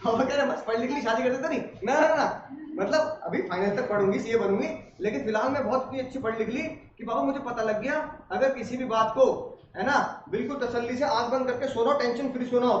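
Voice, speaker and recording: A man with a very high voice lectures a class and tells a lively story, laughing between lines and acting out the parts. The sound comes from a distance and is muffled, in an echoey room with noise behind it. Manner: animated, laughing, acts out family scenes. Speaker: teacher.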